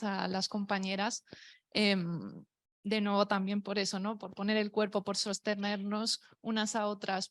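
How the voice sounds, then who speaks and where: A woman from Spain, a poet, speaking on a panel. She sounds nervous and hesitant, with many fillers. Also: medium pitch. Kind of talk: unscripted panel talk. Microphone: microphone at a public talk.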